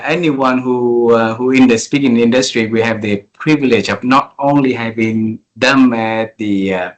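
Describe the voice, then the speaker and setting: A man in his forties speaks English with a Vietnamese accent and a mid-pitched voice. He hosts a conversational interview, addressing the guest in an effusive and courteous way. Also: poor audio. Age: 40s. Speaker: interview host.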